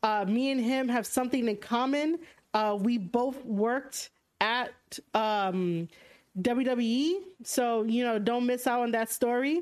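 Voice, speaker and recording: Against a quiet background, a woman with an American accent and a high pitch speaks at a fairly slow pace, with ordinary pitch variation and very even loudness. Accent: New York accent, called thick by chat. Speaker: wrestling podcaster and streamer. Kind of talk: solo live-stream podcast commentary. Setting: live stream. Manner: casual with many fillers.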